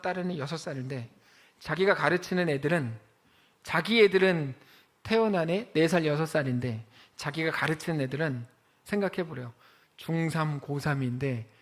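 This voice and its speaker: A man preaching a sermon as pastor of a church, telling a story in a lively way and acting out the quoted voices of the people in it. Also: high-pitched. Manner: animated storytelling, acts out quoted voices, exclaims.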